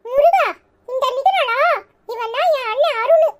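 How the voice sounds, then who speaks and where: A woman voicing a squeaky cheeky little boy. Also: expressive, normal speed. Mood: chirpy. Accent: Tirunelveli Tamil. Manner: chatty, bossy and cheerful. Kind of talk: cartoon voice acting. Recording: clear background noise.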